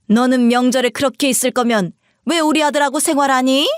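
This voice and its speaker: A piercing, scornful mother-in-law, as a woman storyteller puts her on, scolding in a sharp, raised voice. Her pitch sits fairly high and the sound is dry and close, with no room around it. The storybook reading keeps her contempt constant. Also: steady tone, a little fast, dry recording, natural voice. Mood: furious scolding.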